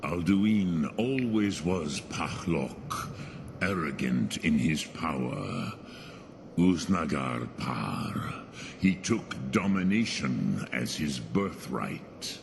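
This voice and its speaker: The speaker uses a put-on character voice at a very slow pace. Background noise is clearly audible. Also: man, very deep, low pitch for a man. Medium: video game. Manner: slow, measured, sprinkled with dragon words.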